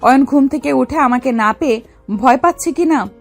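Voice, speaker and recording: Lady playing a bold young gangster girl, really high voice, bossy but loving, story drama w/ music. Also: moderate pace. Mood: tender, determined. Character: bold young female gangster don, secretly an undercover officer. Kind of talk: dramatized audio love story. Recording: music under the voice.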